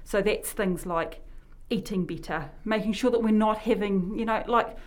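A New Zealand woman hosting a relaxed radio chat, talking at an easy, middling pitch. She rambles and sidetracks herself, circling back to her points as she goes. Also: normal speed. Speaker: health promotion worker and show host.

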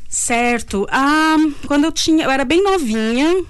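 A Brazilian singer-songwriter, appearing as an interview guest, chats casually and tells stories with quick laughs between phrases. Her voice sits high, with lively intonation.

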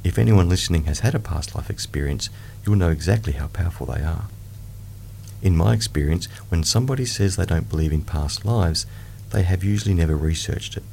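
A middle-aged man leading a guided meditation in a soft, hushed, soothing delivery. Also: low-pitched, brisk, vocal fry, a little hiss or hum.

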